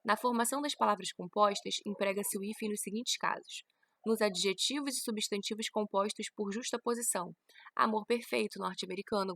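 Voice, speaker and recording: A Brazilian woman talks through a grammar lesson, reading from slides and stopping often to add a checking "né?". Her voice sits at a middle pitch. The recording is dry and close. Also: a bit bright, no room sound. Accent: Brazilian Portuguese. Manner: explains each rule with frequent "né?" tag questions. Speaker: teacher.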